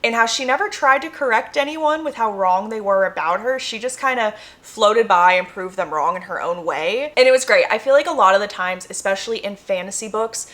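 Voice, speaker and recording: A woman's voice: mid-range voice, animated, a little fast, few pauses, fairly bright tone. A young American woman chatting casually and enthusiastically to her viewers, gushing and emphatic, repeating phrases for effect. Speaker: book reviewer vlogger.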